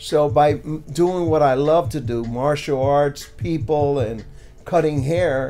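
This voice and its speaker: In a room with audible echo, a man with a fairly high pitch and a dark, mellow tone speaks very slowly. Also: ordinary pitch variation. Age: 70s. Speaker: pastor and karate instructor. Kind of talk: interview. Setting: studio.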